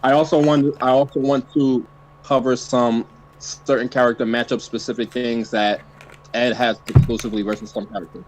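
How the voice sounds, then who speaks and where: Male coach, casual, filler-heavy delivery, slightly mint-muffled, middle pitch. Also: normal speed, a little hiss or hum. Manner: relaxed, filler-heavy talk. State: chewing mints. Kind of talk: casual online coaching chat.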